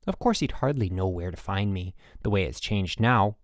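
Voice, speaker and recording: A man's voice: deep voice, lively intonation, moderate pace, dry recording, voice pushed down. A proud old country woman in a storybook, acted out by a male narrator, chatty and stubborn. She rambles in folksy, emphatic sentences, in a very dry recording. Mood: resigned, stubborn. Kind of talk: audiobook character dialogue.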